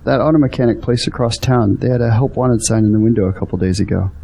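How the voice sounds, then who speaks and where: A man's voice: mid-range voice, fast, gravelly, dark tone. An actor playing an earnest, hopeful young Christian man in an audio drama. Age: young adult.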